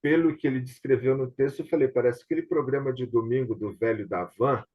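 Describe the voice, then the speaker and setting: A man's voice: medium pitch, a little fast, narrow, tinny audio. A Brazilian man hosting a casual conversation about theatre and television, speaking hesitantly and often seeking confirmation. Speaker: host. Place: remote online video session.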